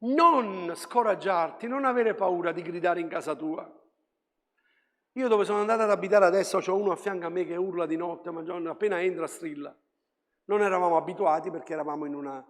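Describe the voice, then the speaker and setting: A male pastor delivering a fervent sermon, dropping to a hush and then rising to shouts. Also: fairly high pitch, fairly quick. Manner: fervent preaching that swings between hushed and shouted. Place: church hall. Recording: long hall reverb.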